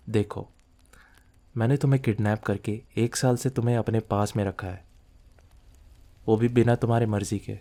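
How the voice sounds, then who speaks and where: A man's voice: medium pitch, dark tone, lightly acted. A man playing a possessive, dominant mafia boss boyfriend in an intimate ASMR roleplay, teasing and commanding, mixing in English phrases. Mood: stern.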